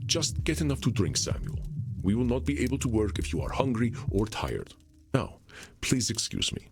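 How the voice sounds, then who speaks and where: A solemn, expressive ancient vampire mentor. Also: male voice, mid-range voice. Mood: reassuring. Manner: formal, measured, eloquent phrasing. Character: ancient powerful male vampire mentor, solemn, wise, kindly, courtly. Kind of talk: visual novel game voice acting. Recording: music playing behind the voice.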